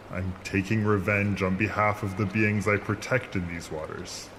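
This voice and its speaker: A man playing an ancient, immortal sea monster in an audio drama, speaking in a grand, stern, formal and scornful way. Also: low voice. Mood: stern, accusing. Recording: clear watery ambience noise behind voice.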